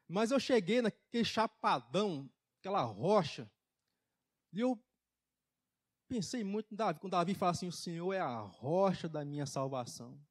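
A man preaching a folksy testimony sermon in church, emphatic, with loudness and pitch that swing widely. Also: animated, measured pace, long pauses. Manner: folksy, laughs at his own jokes. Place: church service.

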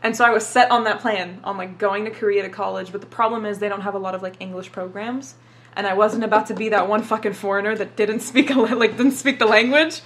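A young woman answers casual interview questions at a fast pace, her mid-range voice steady and a bit bright. She was raised in Dubai, has Arabic as her first language, swears a lot, and says "like" often.

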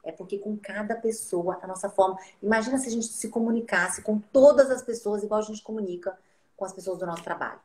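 Animated woman speech therapist, roomy sound. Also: medium pitch, fairly quick. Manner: animated, acts out quoted speech. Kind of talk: conversational interview.

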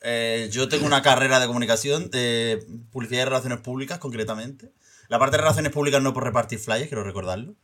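A man's voice: medium pitch, fast, fairly bright tone. A man with an Andalusian accent, co-hosting a podcast in chatty, joking conversation. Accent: Andalusian Spanish. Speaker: podcast co-host. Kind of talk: casual chat.

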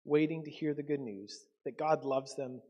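Husky-voiced man preaching a casual sermon. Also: a little high, moderate pace, a little mellow. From Canada. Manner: conversational, with frequent ums and self-corrections. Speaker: pastor.

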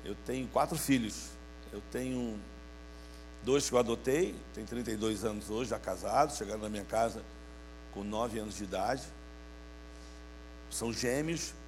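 A man's voice: fairly low pitch, moderate pace, pauses often, slight background noise. A man, giving a playful sermon to young people and calling out to his listeners for answers. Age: 50s. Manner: playful, calls out to listeners for responses. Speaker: youth preacher.

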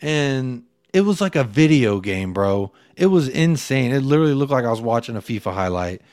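Male co-host, casual and excitable, talks in slang, close and dry. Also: mid-range voice, normal speed, no room sound. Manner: excitable, slangy, acts out quotes. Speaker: podcast co-host. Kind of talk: casual fan chat.

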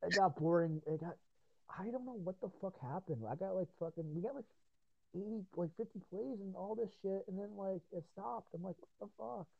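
Tired, rambling podcast host on a tinny line. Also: male voice, high-pitched, a little fast, vocal fry, no room sound. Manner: profane, rambling, laughs often. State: tired voice after hours of talking. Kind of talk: casual podcast chat.

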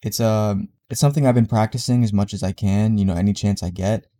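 A man's voice: fairly low pitch, fairly even intonation, fast, dark tone. Congested young man hosting a solo podcast. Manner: rambling, many fillers and restarts. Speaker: podcast host. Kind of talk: solo casual podcast monologue.

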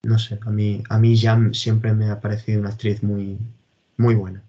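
A man's voice: lowish voice, little pitch movement, normal speed, warm tone, breathy edge. A man talking casually and with enthusiasm about films, repeating his phrases and stumbling over words. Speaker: film discussion co-host. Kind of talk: casual film chat. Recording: dull lo-fi audio.

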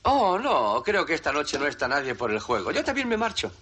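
A meek henpecked poker pal. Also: male voice, on the high side, wildly swooping pitch, fairly quick, sharp tone, a little hiss or hum, full character voice. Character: timid henpecked married poker buddy. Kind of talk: film dubbing.

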